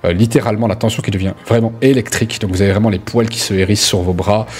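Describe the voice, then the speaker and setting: A man narrates a tabletop role-playing game as game master, conversational and halting as he searches for words. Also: lowish voice, fairly even intonation, a little mellow.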